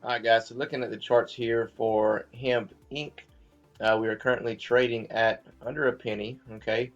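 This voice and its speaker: A man's voice: medium pitch, little pitch movement, normal speed, lo-fi sound, soft background music. A man hosting a finance channel, talking casually to his viewers with lots of fillers and checking in with "okay?" as he goes. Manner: loose and chatty, many fillers, checks in with "okay?". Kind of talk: casual market commentary to viewers.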